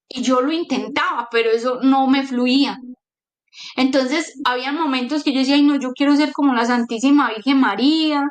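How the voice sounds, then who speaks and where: Earnest woman telling her story. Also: high-pitched. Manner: emotional, earnest storytelling with quoted dialogue. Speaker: guest giving a testimony. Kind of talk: personal faith testimony.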